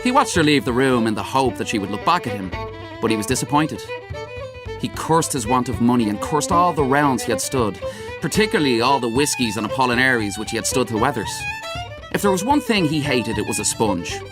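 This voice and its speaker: A man narrating literary fiction as an audiobook reader, with dramatic, measured storytelling. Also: medium pitch, animated, music in the background. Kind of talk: expressive scripted literary narration.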